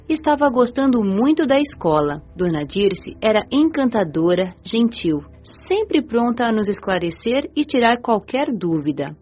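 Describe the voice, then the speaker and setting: A woman narrating an audiobook in the first person, telling the story gently. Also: medium pitch, highs cut off.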